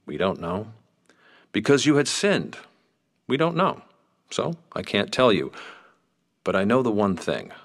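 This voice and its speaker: An actor playing a seasoned, patient Catholic priest in a radio drama, a probing confessor who speaks in a grave, measured way. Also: male voice, on the low side, very animated, exaggerated voice. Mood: solemn, consoling.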